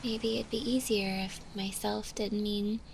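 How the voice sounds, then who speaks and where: A woman voicing a shy, gentle undead zombie girl in an ASMR roleplay, speaking softly and breathily in a hesitant, bashful way, often in a whisper. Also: mid-range voice, little pitch movement, creaky, a little hiss or hum. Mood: insecure, musing. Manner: hesitant, bashful, halting with small giggles.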